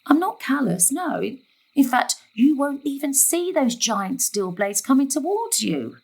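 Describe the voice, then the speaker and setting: A woman's voice: high voice, sing-song, a little slow, creaky, a little mellow, full character voice, rough recording. A woman playing a long-suffering, middle-aged mother with a darkly wry, conversational manner in a dramatic thriller. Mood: brisk, menacing. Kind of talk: dramatic stage-thriller monologue and dialogue.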